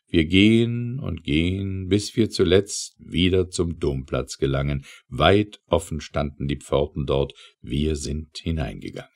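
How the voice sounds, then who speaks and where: Male audiobook narrator for satirical verse: low, creaky voice, declamatory and theatrical delivery. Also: darkish tone. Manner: theatrical, declamatory, measured phrasing with pauses. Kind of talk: dramatic recitation of satirical verse.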